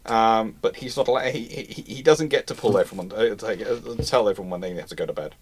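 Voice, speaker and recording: A man's voice: fairly low pitch, quick pace, breathy edge. A man hosting an unscripted live question-and-answer chat, rambling and restarting his phrases mid-thought. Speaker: host of a live naval history question show.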